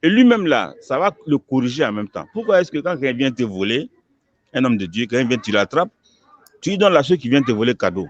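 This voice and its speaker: Emphatic male imam, lively rising and falling delivery, dull lo-fi recording. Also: mid-range voice, brisk. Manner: emphatic, animated, repeats words as he builds a point. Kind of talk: interview answer, preaching.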